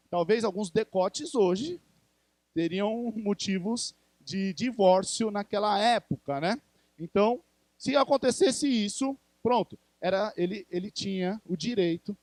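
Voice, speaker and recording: A man's voice: high voice, darkish tone, dry recording. A male pastor with a Brazilian Portuguese accent, preaching a conversational sermon in church and putting questions to the congregation.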